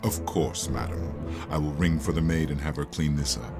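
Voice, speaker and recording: An actor playing a faithful, deadpan butler with a gravelly voice and formal, deferential speech. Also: male voice, rumbling low, normal speed. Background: loud music.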